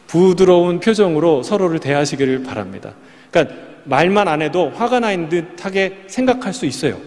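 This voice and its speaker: In a reverberant church hall, a man delivers a Sunday sermon from the sanctuary in a conversational style, asking his congregation rhetorical questions. He has a slightly high, slightly mellow voice.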